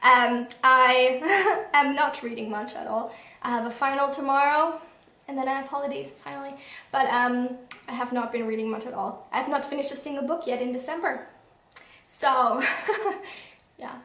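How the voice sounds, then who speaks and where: A young woman talking in a casual, rambling and expressive way as she reviews books for a vlog, with lots of gushing emphasis. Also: high voice, normal speed, long pauses. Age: young adult. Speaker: book reviewer, video host. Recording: roomy echo.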